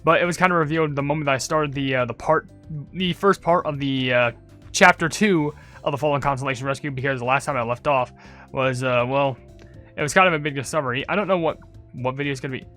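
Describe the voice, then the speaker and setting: A man's voice: mid-range voice, fast talker, a bit bright, soft background music. A young man giving casual, rambling gaming commentary, thinking aloud as he goes. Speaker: gaming video creator.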